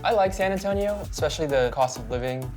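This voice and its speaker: A man's voice: a little high, animated, quick pace, darkish tone, soft background music. A man born in Korea and raised in New York, speaking reflectively and a little hesitantly as a first-time home buyer. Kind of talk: interview testimonial.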